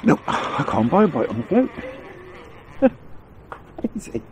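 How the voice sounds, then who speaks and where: A man's voice: fairly high pitch, big pitch swings, measured pace. Congested man chatting on a windy riverbank. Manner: chatty, rambling, chuckles often. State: congested from a cold, nasal. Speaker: angling vlogger. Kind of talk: casual on-the-spot commentary. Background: faint wind noise.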